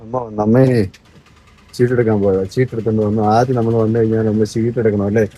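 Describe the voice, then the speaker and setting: A woman's voice: a bass voice, level tone, fast talker, very noisy. A woman vlogging casually from a parked car, chatting and coaxing a small child along. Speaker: vlogger and mother. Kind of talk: casual family vlog chat.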